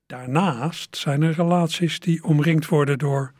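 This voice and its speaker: A man presenting a music radio show, introducing songs in a musing way and pausing on hesitant fillers. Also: a little high, a little mellow, no echo, studio quality. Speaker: radio host.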